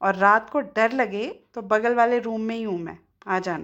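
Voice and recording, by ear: Reading aloud in a natural voice, with a quiet background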